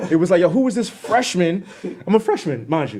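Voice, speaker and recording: A man talks in a New York accent. His intonation is lively. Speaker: DJ and music producer. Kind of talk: casual podcast interview. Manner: animated.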